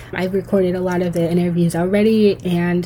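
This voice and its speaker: A woman with a fairly low pitch talks at a fairly quick pace and fairly even intonation, with noticeable background noise around her. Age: 20s. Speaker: podcast host and college student. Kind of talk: solo podcast monologue. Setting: home.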